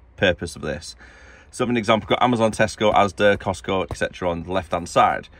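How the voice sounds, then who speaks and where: In an ordinary speaking voice, a man talks at a fairly quick pace and fairly low pitch with ordinary pitch variation, the sound dry with no echo. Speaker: truck driver vlogger. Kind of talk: casual vlog chat. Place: car. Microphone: phone near.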